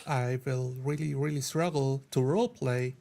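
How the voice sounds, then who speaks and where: A man's voice: medium pitch, normal speed, creaky, mellow. A man talking casually as a player in a tabletop roleplay group. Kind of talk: casual chat.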